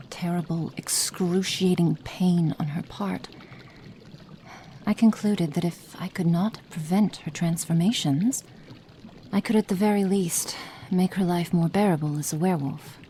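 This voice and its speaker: A woman voicing a cold, impatient female witch experimenter in an ASMR roleplay, speaking softly and partly in whispers, haughty and condescending. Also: lowish voice, slight background noise. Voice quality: soft, partly whispered delivery.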